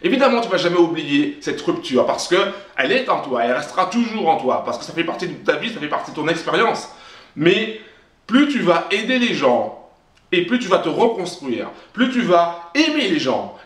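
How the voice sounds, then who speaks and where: A man's voice: on the high side, very animated, moderate pace, reverberant. A man giving a motivational talk straight to camera, emphatic and repetitive, often restarting his phrases. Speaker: self-help vlogger.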